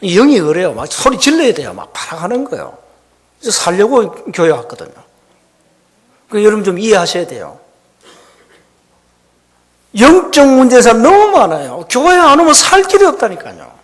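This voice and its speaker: A male pastor preaching a sermon in church, swinging between loud emphatic declarations and soft, repetitive asides. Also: high-pitched, huge pitch swings, moderate pace, long pauses. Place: church sanctuary.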